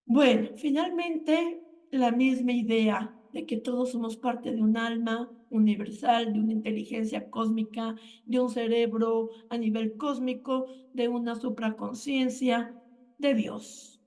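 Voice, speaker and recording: A woman's voice: a little high, fairly even intonation, a little slow, a little mellow, distant mic. A woman giving an earnest, lecturing spiritual talk as a radio host.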